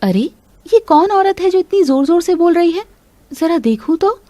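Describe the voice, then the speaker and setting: A woman voicing a patient young daughter-in-law in an animated story, talking in a polite, earnest way. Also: very high voice, moderate pace, no room sound, pitched above the performer's own voice.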